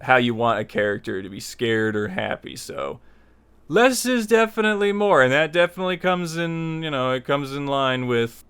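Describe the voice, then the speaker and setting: A man's voice: medium pitch, moderate pace, a bit bright, clear, resonant tone. A man hosting a tutorial, explaining his opinions in a conversational, rambling way and repeating himself for emphasis. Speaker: tutorial series host. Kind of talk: informal spoken lesson, opinionated explanation.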